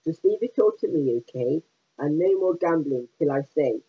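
A man reading aloud as a plucky young Snow White giving brisk orders, on a tinny phone-like line. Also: fairly high pitch, lively intonation, husky. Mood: bossy.

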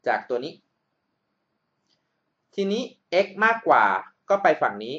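A male math tutor talks through a problem on a screen recording, patient and methodical, often checking that the listener is following. His voice sits a little high for a man. The audio is dull and lo-fi, like a cheap desktop mic. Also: very animated, takes it slowly, bright, forceful tone. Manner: patient, explains step by step and checks understanding.

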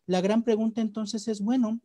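Mexican man presenting on a video call, mellow. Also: high-pitched, fairly even intonation, moderate pace, no room sound. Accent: Mexican Spanish. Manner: frequent hesitations and repeated words. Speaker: webinar presenter. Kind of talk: academic presentation. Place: home room, on a video call. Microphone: webcam or computer mic on a video call.

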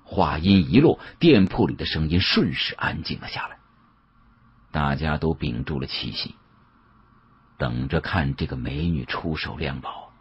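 A man narrating an audiobook as a dramatic storyteller, with an expressive, suspenseful delivery and a husky voice. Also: rumbling low, measured pace, a little hiss or hum. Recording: dull, muffled audio.

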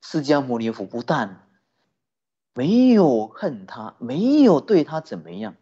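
Buddhist teacher, male, animated sermon delivery, breathy husky tone, muffled low-fi recording. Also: measured pace. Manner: lively storytelling, rhetorical questions, chuckling. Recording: dull lo-fi recording.

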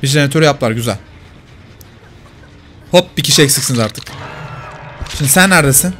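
A man's voice: mid-range voice, animated, fairly quick, a bit bright, soft background music. A man commenting live on his own gameplay, teasing the players he hunts.

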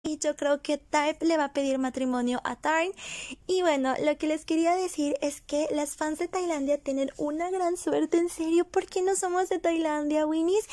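A young woman chatting excitedly as a fan vlogger, gushing and giggly in a casual voice-over. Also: sits high, no echo.

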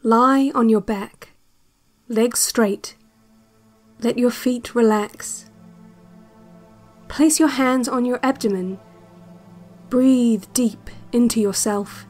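An actress playing a calm, eerie instructor on a relaxation tape, speaking in a measured, soothing, detached way. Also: female voice, on the high side, soft background music. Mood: calm, instructive. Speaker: narrator of instructional cassettes. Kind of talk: scripted guided relaxation narration.

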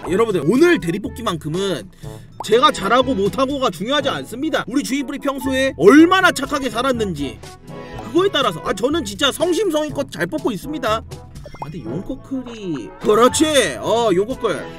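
A man's voice: extremely high pitch, big pitch swings, brisk. A man doing live game commentary as a streamer, theatrical and exclamatory, playfully addressing his viewers. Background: game music.

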